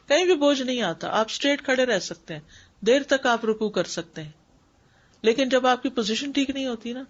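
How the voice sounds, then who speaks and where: Woman teacher explaining prayer, lo-fi recording. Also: fairly high pitch. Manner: explanatory, emphatic, repeats key points. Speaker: Islamic studies teacher. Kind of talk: lecture on prayer. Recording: dull lo-fi recording.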